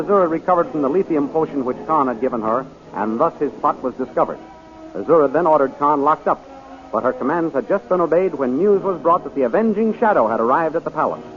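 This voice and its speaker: A man announcing and narrating a 1930s radio adventure serial in a dramatic, declamatory style. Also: on the high side. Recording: dull 1930s radio recording with music.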